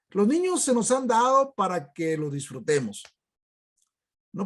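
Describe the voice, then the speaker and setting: At a fairly slow pace, a man speaks in a high pitch with very wide pitch swings. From Mexico, Jalisco (near Guadalajara), then US from age 7. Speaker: pastor. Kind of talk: sermon. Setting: church online broadcast. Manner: conversational.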